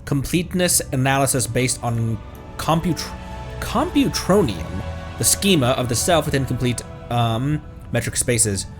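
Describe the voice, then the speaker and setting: A man's voice: mid-range voice, expressive, unhurried, over music. A man streaming a video game, reading its text aloud with asides and stumbling over long words.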